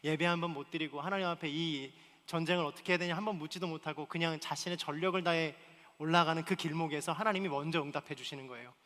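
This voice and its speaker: Young male preacher, high bright tone, sermon with dynamic swings from loud to hushed, long hall reverb. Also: fairly even intonation, fast. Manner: swings from loud emphatic pleas to soft hushed asides. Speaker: pastor. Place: church hall.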